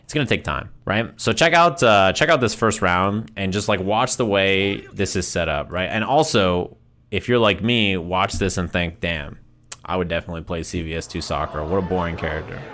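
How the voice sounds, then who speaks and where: A man's voice: deep voice, normal speed, a bit bright. A man giving casual, conversational fighting game commentary on a livestream, repeating phrases for emphasis and often checking in with "right?".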